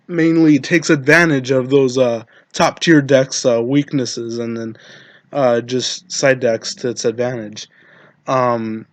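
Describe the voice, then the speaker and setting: Hoarse man, halting and full of ums. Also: medium pitch, dry recording, highs cut off. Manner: hesitant, many ums and restarts. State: hoarse from being sick. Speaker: Yu-Gi-Oh content creator. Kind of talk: casual talk to camera, deck-building tips.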